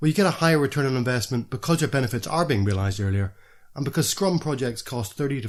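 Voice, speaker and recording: On a very clean recording with a silent background, a man speaks very fast, somewhat breathy, with lively intonation. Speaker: podcast host and consultant. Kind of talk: conference presentation. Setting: live conference session.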